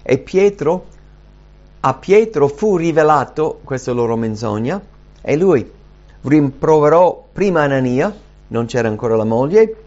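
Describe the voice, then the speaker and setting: A man preaching a sermon in an earnest, dynamic way, rising for emphasis and dropping low and soft. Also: expressive, a little slow. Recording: dull lo-fi recording.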